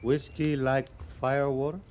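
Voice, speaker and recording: A man's voice: medium pitch, flat delivery, a little slow, a little mellow, dull audio, natural voice. An actor playing a sly, wounded Native American man fond of whiskey, in terse broken English, in an old-time radio western. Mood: curious, wary.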